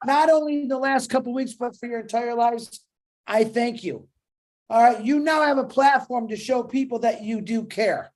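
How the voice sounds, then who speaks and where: A man's voice: extremely high pitch, darkish tone. A man speaking from home on an online chat, giving a fervent, emphatic motivational talk. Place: home, dog barking outside.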